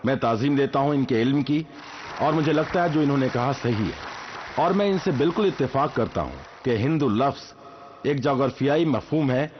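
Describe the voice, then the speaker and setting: An older man from Sindh, presiding at a public lecture, gives a formal address in an earnest, measured way, speaking in short phrases. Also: medium pitch, highs cut off, a little hiss or hum.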